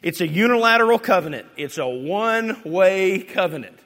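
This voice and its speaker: A man preaching a sermon as pastor, animated and swinging from loud to hushed. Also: sits high, moderate pace. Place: church sanctuary. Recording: echoey hall with long reverb.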